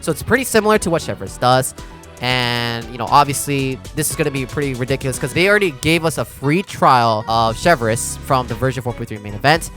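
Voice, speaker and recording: A man's voice: mid-range voice, expressive, a little fast, fairly bright tone, soft background music. A man giving casual live reaction commentary as a streamer, talking informally to his chat. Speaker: streamer reacting to a game character preview.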